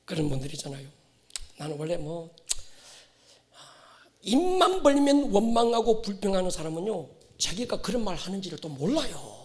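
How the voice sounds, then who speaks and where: A man in his fifties preaching to a congregation as a pastor, exhorting them with swings between hushed asides and forceful declarations. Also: high-pitched, big pitch swings, fairly quick, few pauses. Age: 50s. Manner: prompts listeners to respond and repeat. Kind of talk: fervent sermon to a congregation.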